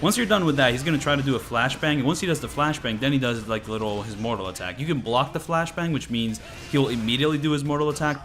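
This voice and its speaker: A man's voice: medium pitch, a bit bright. A man giving casual, rambling gameplay commentary, a little stuffy from a cold. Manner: rambling, lots of filler words. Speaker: gaming commentator.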